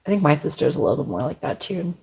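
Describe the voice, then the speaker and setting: A young woman co-hosting a casual chat, reacting with quick exclamations and then asking questions. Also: low-pitched, gravelly, breathy edge. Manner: reactive, expressive interjections and gasps.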